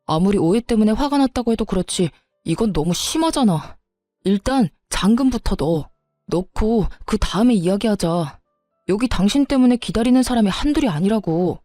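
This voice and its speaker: A woman's voice: mid-range voice, expressive, moderate pace, warm tone, dry recording, faint music behind, natural voice. A woman voicing a desperate husband who begs and then threatens by turns, in a narrated story. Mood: pleading. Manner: begging then threatening, flip-flopping. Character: desperate pleading husband, quick-tempered, married man. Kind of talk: story narration with voiced dialogue.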